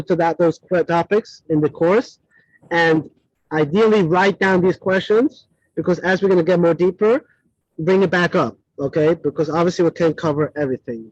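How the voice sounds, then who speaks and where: With a slightly high voice, a man from Switzerland whose first language isn't English delivers an animated classroom lecture that includes audience questions. He often self-corrects and drifts into chatty asides. The dull, lo-fi recording is dry, with no room sound.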